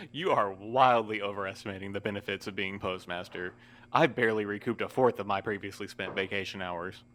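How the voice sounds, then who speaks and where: A man's voice: fairly low pitch, normal speed, fairly bright tone, a little hiss or hum, natural voice. A man playing a formal, weary, wry postmaster in an audio drama, speaking in precise, wordy sentences. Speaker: voice actor in a fiction podcast. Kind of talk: scripted audio drama acting.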